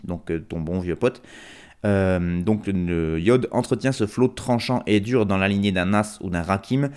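A man's voice: on the low side, a little mellow. A man hosting a music radio show, presenting tracks in an informal, self-deprecating way.

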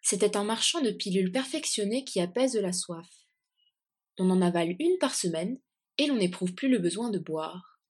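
A woman reading a children's storybook aloud in a brisk, steady way. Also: mid-range voice, breathy edge. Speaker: reader.

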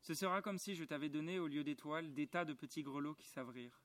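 A man reading aloud and speaking the lines of a gentle, earnest little boy prince in a soft, quiet voice close to his own, outdoors in a garden. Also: a little high, fast talker, close to an everyday voice. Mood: tender, sad.

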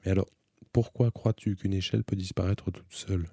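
A man's voice: low voice, steady tone, brisk, gravelly, mellow, husky, no room sound, studio quality, full character voice. A man reading an audiobook, voicing a blunt, teasing teenage girl who fires insistent, needling questions. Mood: mocking.

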